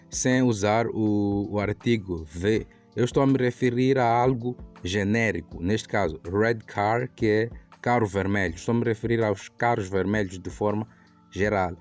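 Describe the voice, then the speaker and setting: A man teaches English grammar in a lower voice. He talks patiently and slows right down on each example. Faint music plays under him throughout. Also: darkish tone. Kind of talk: online language lesson.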